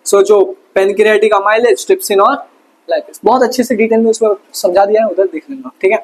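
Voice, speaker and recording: A man teaching a fast exam revision lesson, casual and chatty, asking quick questions and answering them himself. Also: high voice, fairly even intonation, slightly rough, poor audio. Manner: quizzes himself with quick call-and-response questions. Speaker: science tutor.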